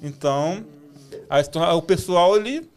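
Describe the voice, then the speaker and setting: A man's voice: high-pitched, moderate pace, smooth. A man from Rio de Janeiro with a carioca accent and tongue-tied, slushy articulation, telling stories as a driver in slangy casual chat. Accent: Rio de Janeiro Portuguese. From Rio de Janeiro, Brazil. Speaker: ride-hailing driver, guest.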